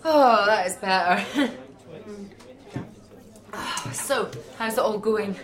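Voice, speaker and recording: A woman's voice: mid-range voice, slow pace, fairly bright tone. An actress playing a tired middle-aged Scottish wife and mother who looks after her father, harried and shrugging off concern. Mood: weary, joking. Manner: harried, brushes off concern, self-deprecating. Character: worn-out wife, mother and carer for her dad.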